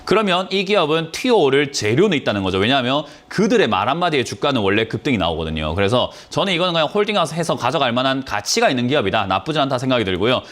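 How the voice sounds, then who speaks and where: Man, sore throat, fast talker, lively pitch, blunt lecturing stock advisor. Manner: blunt, lecturing, fast-talking, emphatic rhetorical questions. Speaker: stock market advisor taking callers. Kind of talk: call-in stock consultation.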